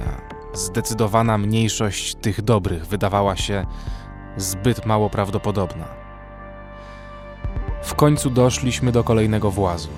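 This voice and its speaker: A man's voice: lowish voice, natural voice. A man playing a weary armed survivor who narrates a horror audio drama in the first person. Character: weary male armed survivor narrating a frozen zombie apocalypse. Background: music bed.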